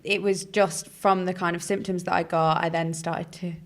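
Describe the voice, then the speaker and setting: A young woman in her twenties from England chats easily, leaning on little fillers as she goes. Her voice sits a touch low. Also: little pitch movement, normal speed. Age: 20s. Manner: chatty, frequent "um" and "kind of". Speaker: charity founder as podcast guest. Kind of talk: casual conversation.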